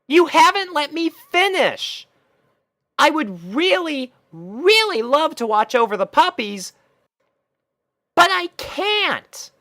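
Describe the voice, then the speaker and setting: A man's voice: very high-pitched, big pitch swings, slow pace, sharp tone, voice pushed up, full character voice. A man voicing a fretful, bookish young female cartoon pony, earnest, fussy and easily exasperated.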